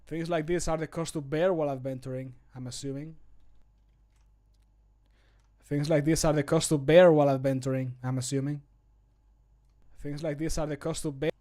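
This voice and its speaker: A man's voice: on the high side, steady tone, normal speed, long pauses, dark tone, lightly acted. Wry male fantasy adventurer, acted by a man. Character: wry male fantasy game adventurer cracking bear puns. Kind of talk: video game voice line takes. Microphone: close studio microphone.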